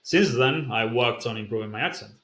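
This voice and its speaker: A man's voice: medium pitch, a little fast, echoey room. A young man from the Basque Country whose first language is Basque. He speaks English with a Basque accent that carries a slight German tinge, talking casually with fillers and restarts. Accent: Basque-influenced English with a slight German tinge. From Basque Country, Spain. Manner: chatty and relaxed, with frequent fillers and restarts. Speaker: language-learning YouTuber. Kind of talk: casual talk to camera.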